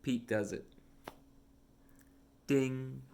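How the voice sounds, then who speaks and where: A man reading a children's picture book aloud as a storyteller, with simple, deliberate phrasing. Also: mid-range voice, steady tone, vocal fry, dark tone, clear, resonant tone. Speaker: read-along storyteller.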